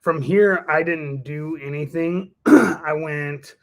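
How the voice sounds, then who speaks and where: A man's voice: fairly high pitch, takes it slowly. Guy casually explaining how to do something on a computer, step by step, laptop mic in a small room. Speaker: software demonstrator. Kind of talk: casual walkthrough of a software task.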